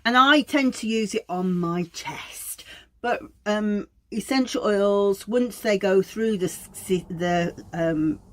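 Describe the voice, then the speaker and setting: A woman's voice: medium pitch, takes it slowly, fairly bright tone. A woman with a Black Country accent from Wolverhampton giving an informal educational talk to viewers, explaining things in a chatty, self-deprecating way. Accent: Black Country English (Wolverhampton). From Wolverhampton, England. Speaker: aromatherapy educator and host.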